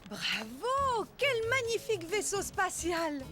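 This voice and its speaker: A woman voicing a gentle, upbeat, playful mother in a children's cartoon. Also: very high-pitched, wildly swooping pitch, slow pace, soft background music, full character voice. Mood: delighted. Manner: bright encouragement, playful.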